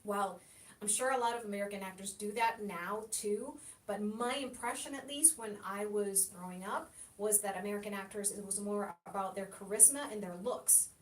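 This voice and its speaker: A woman from Chile whose first language is Spanish, a guest chatting casually in an interview, telling lively stories and laughing often. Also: moderate pace. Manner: lively, laughing anecdotal storyteller. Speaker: guest, actress and comedian. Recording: roomy, distant mic with faint rumble.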